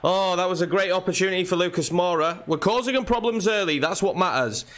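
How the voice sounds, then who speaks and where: A young man with a slightly nasal, croaky voice from a cold, chatting casually as he commentates his own football video game. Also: high-pitched, fast talker. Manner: chatty, excitable at chances. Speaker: gaming channel host.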